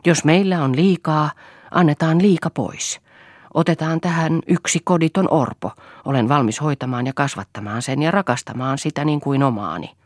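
A woman reading an audiobook, voicing an earnest wife who pleads and then turns quietly defiant. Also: deep voice, no echo, clean studio sound, pitched above the performer's own voice.

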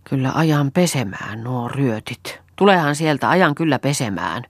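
A woman's voice: a bass voice, lively intonation, no echo, studio quality, heavily acted. A woman voicing a fretful, grumbling young countrywoman who wails and mutters complaints, in a storybook reading.

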